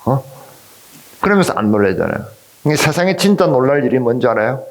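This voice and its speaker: Lively, questioning Korean pastor. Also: male voice, medium pitch, a little fast. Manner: conversational, keeps asking the congregation questions. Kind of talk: sermon. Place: church.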